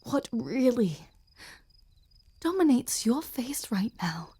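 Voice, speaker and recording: Slow, intense, possessive ice queen, played by a woman. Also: on the high side, big pitch swings, mellow, heavily acted. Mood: cold, menacing. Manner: halting, slow, intense, often dropping to a breathy whisper. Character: obsessed, cruel yandere ice queen general, wounded and possessive. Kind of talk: dramatic audio roleplay addressed to the listener.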